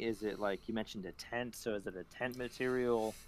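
A man talks at a moderate pace in an unremarkable speaking voice, medium in pitch, with fairly even intonation. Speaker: tabletop game player. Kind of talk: tabletop role-play game session.

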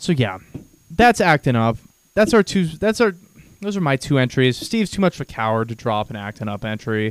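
Loud and fairly quick, a man speaks with very wide pitch swings. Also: medium pitch for a man, dry, close sound with no echo. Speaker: podcast co-host. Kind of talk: casual chat.

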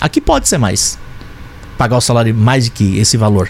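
This man talks fairly quickly, with noticeable background noise around him. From western Paraná, Brazil. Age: 60s. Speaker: state politician. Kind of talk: interview.

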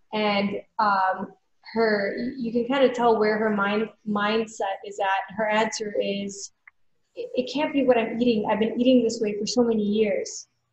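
Somewhat breathy, a woman talks with monotone, flat intonation. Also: fairly high pitch for a woman, fairly slow pace. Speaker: co-host.

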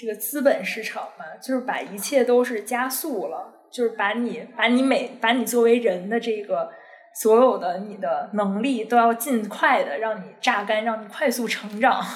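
Over noticeable background noise and audible room echo, a woman talks at a moderate pace in a fairly high pitch with ordinary pitch variation. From Beijing. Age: 20s. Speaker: private equity professional. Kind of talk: casual chat.

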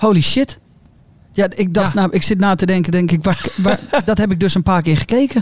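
Speaking at a fairly quick pace, a man has a high pitch and ordinary pitch variation. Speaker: podcast host. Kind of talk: casual interview chat.

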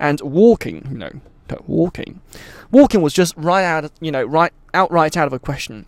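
An ordinary speaking voice belongs to a man with a fairly high pitch and moderate pace. His intonation is lively, his loudness swings widely, and the sound is dry and close with no echo. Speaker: podcast host. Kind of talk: casual monologue rant.

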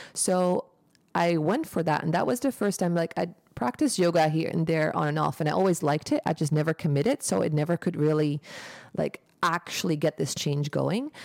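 Speaking at a fairly quick pace with a Dutch accent, a woman keeps her loudness very even and her pitch variation ordinary, in a dry, close sound with no echo. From Netherlands. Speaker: Tantra teacher and podcast host. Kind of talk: solo personal storytelling monologue.

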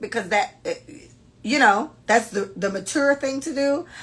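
In a raised, projected voice, a high-pitched woman speaks at a moderate pace, animated in tone, with lively intonation and a bright, sharp quality. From Jamaica. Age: 30s. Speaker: podcast host. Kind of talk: casual chat. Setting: home.

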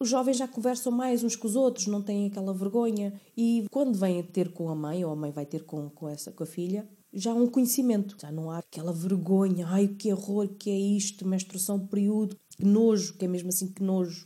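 A woman speaks at a moderate pace and a medium pitch, with a dark, mellow tone, ordinary pitch variation and hardly any pauses. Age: 40s. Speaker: mother. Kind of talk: interview.

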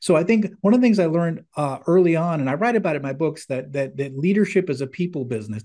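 A man's very fast speech, dark and mellow in tone, with lively intonation. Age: 50s. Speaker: manufacturing business owner and leadership author. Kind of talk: interview. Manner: halting, with filler words and repetitions.

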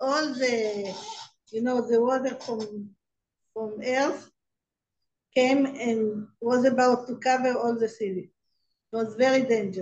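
In an Israeli accent, the speaker moves at a fairly slow pace with fairly even intonation and long, frequent pauses. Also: woman, high pitch for a woman. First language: Hebrew. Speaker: rabbi's wife and community leader. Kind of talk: interview. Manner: halting.

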